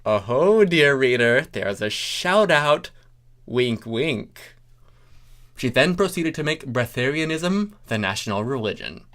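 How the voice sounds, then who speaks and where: Narrator reading silly fiction out loud, hammy and mock-pompous, really lively intonation, lots of asides. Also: mid-range voice, slow pace. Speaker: story reader and narrator. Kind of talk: comic dramatic fan fiction reading with asides.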